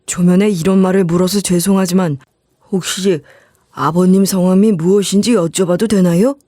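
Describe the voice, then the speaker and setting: A woman's voice: on the low side, steady tone, moderate pace, warm tone, no room sound, studio quality, voice pushed down, natural voice. A woman voicing a formal, commanding middle-aged man who chairs a company. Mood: polite.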